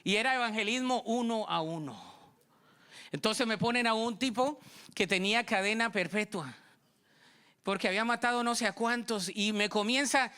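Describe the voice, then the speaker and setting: A man's voice: sits high, sharp tone, clear, resonant tone. A Colombian man preaching a sermon in church, telling a story and acting out its dialogue. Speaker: pastor.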